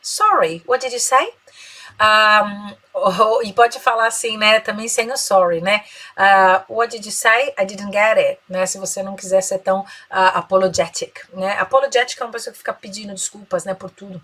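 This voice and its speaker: A Brazilian woman, a native Portuguese speaker, teaching business English, explaining in Portuguese and slowly modeling English phrases. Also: medium pitch, steady tone, pushed and bright, low-quality recording. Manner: tags sentences with "né?". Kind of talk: bilingual English lesson.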